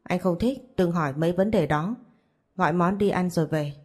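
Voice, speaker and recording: A woman voicing a stern, quick-tempered young father who scolds curtly, in a storybook reading. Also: lowish voice, close to an everyday voice. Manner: curt, scolding.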